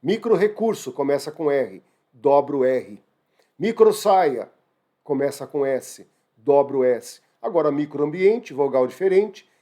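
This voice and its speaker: A man with a Brazilian Portuguese accent teaching an online exam-prep grammar lesson in a lively, exclamatory way. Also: a little high, unhurried. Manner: lively, exclamatory, addresses students as "gente".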